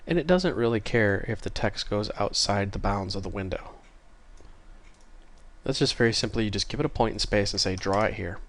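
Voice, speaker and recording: With a fairly low voice and an animated delivery at a moderate pace, a man walks through a screen-recorded coding tutorial. He's relaxed and apologetic, fixing his own slips, and sounds slightly stuffy from a cold.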